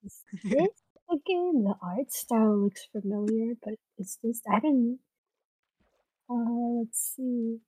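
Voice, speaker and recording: A woman's voice: a little high, slow pace, mellow, slightly rough, dry recording, poor audio. A young woman co-hosting a casual chat, laughing a lot and muttering to herself. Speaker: podcast co-host.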